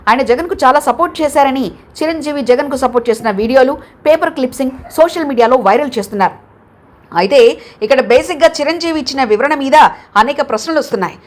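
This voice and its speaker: Brisk high-voiced woman reading the news. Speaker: news reader. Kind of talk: scripted news narration.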